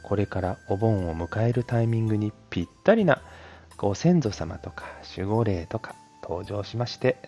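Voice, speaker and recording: A man's voice: fairly low pitch, animated, moderate pace, mellow, soft background music. A man hosting an audio show, making announcements and thanking listeners in polite, courteous language with chatty asides. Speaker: audio channel host and amateur voice performer.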